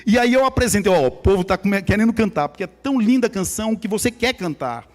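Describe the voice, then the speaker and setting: High-voiced Brazilian man from Maranhão. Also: lively intonation, fast talker. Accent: Maranhão Brazilian Portuguese. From São Luís, Maranhão, Brazil. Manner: conversational storyteller, speaks directly to the audience. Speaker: guest speaker at church. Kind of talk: personal testimony to a congregation. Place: church hall with a congregation.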